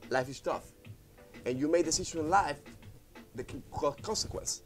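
With faint music in the background, a business owner from Puerto Rico in his thirties, a native Spanish speaker, talks as a studio interview guest at a moderate pace. His slightly high voice carries a rambling, heartfelt manner with many fillers and restarts.

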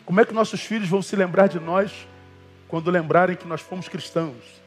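Animated male pastor preaching to a congregation. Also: high voice, a little fast, music in the background. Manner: animated storytelling with quoted voices; colloquial, addresses listeners as brother. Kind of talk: sermon.

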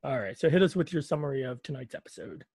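A man's voice: mid-range voice, expressive, fast talker, darkish tone, husky, no echo. A man hosting a casual podcast, rambling and joking with sarcastic asides. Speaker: podcast host.

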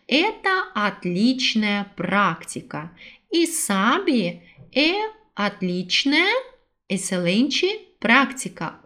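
Slow, lilting woman teacher. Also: on the high side, a bit bright. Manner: repeats phrases slowly, switching between two languages. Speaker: language teacher. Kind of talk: recorded language lesson.

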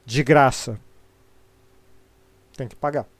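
A man's voice: medium pitch, steady tone, slow pace, no room sound. A middle-aged Brazilian man with a congested, sniffly voice from a cold, chatting casually and opinionatedly on a live stream in informal, sweary Brazilian Portuguese speech.

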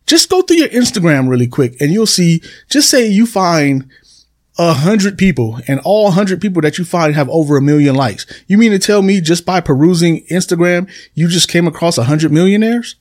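A man's voice: a little high, animated, normal speed, darkish tone. A man hosting a solo podcast, talking casually to his listeners and repeating phrases for emphasis. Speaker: podcast host. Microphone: computer desk recording.

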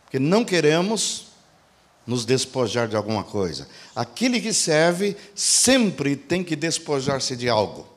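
Delivering a sermon at a measured pace, a very animated man poses rhetorical questions to his congregation and then answers them. When quoting dialogue, he performs it with changes in pitch and pace.

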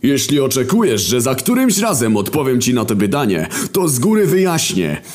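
Man putting on a shrill foul-mouthed War horseman. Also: very animated, normal speed, natural voice. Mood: grumbling. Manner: loud, swearing, shouting. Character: crude hot-tempered male War horseman.

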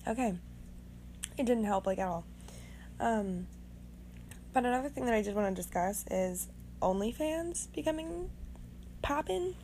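A young woman with a raspy voice, just woken up, rambling frankly and swearing casually as the host of her own podcast. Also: a little high, animated, a little slow, pauses often, darkish tone, a little hiss or hum. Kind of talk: casual monologue.

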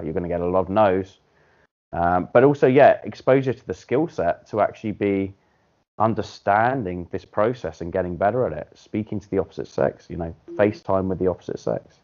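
A man hosting a podcast in casual chat, blunt and animated, swearing casually as he makes his points. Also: low-pitched. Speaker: podcast host. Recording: dull lo-fi podcast audio.

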